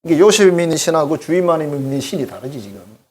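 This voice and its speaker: Talking fast in a fairly high-pitched voice, a pastor delivers a conversational sermon directly to his congregation. He stays animated throughout and performs the quoted voices himself.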